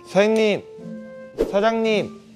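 A man, a mukbang vlogger, chats playfully to his viewers through a face mask, his voice hoarse from just having woken up. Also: high-pitched, slow, music in the background. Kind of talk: casual chatty vlog talk. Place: indoors, in a small local soup restaurant.

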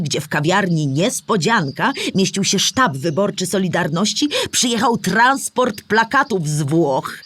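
A woman's voice: medium pitch, a bit bright, breathy edge. A woman playing a storyteller who explains history to a child in a scripted children's audio play.

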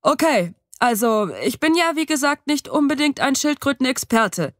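A woman's voice: high-pitched, expressive, moderate pace, no room sound, pitched above the performer's own voice. An audiobook's hesitant young man, raised a little above the reader's own register, stumbling into long explanations, as a woman reads him. The studio is dry and close. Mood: explaining. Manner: hesitant, then explaining at length. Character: young man, nervous know-it-all friend. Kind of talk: audiobook dialogue reading. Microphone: close studio mic.

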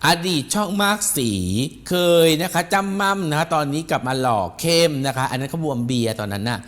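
Male entertainment-gossip host with a higher-than-usual voice, lively and repetitive delivery. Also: fairly quick. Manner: animated, repetitive, ends nearly every phrase with a polite particle. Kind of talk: chatty entertainment gossip talk.

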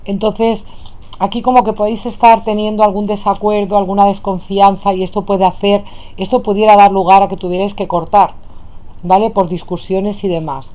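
A woman with a Spain Spanish accent giving a tarot card reading to her viewers, calling them "my loves" warmly as she lays out cards at a table. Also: medium pitch, little pitch movement, normal speed. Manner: affectionate, addresses viewers as "my loves". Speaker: tarot reader. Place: indoors at a table, hands only on camera.

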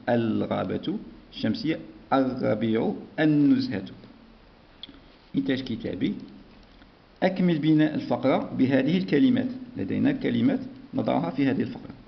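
A man's voice: medium pitch, gravelly. A man teaching a primary school lesson, patiently dictating and repeating words. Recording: dull lo-fi recording.

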